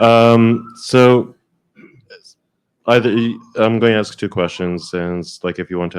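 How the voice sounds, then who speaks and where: A man's voice with ordinary pitch variation. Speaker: audience member asking questions. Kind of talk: panel Q&A question.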